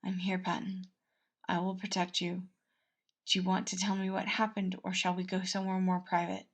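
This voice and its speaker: A woman voicing an earnest, protective male royal advisor in a measured, formal way for a storybook tale. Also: fairly low pitch, monotone. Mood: protective, gentle.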